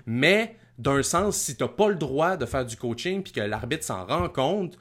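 A man with a Quebec French accent in a casual sports discussion, speaking haltingly and repeating words as he searches for his phrasing. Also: on the high side, animated. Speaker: sports talk show commentator.

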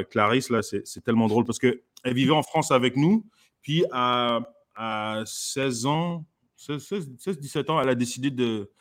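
A man's voice: medium pitch, a bit bright. A man, a comedian guest, talking casually with frequent fillers and restarts. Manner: hesitant, many fillers and restarts, laughs often. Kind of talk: casual conversation.

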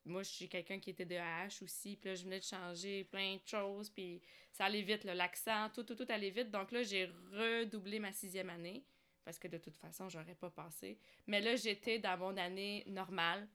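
A woman's voice: medium pitch, steady tone, normal speed, fairly bright tone, smooth. A woman from Algeria chatting casually as a podcast guest, telling personal stories. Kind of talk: casual conversational storytelling.

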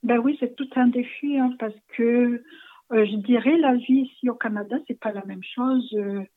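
A hesitant, soft-spoken woman in her fifties, originally from Rwanda, tells her story at an unhurried pace with many pauses. Her voice sits slightly high. The sound is narrow and thin, like a phone line. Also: fairly even intonation. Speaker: interviewee. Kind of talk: personal interview.

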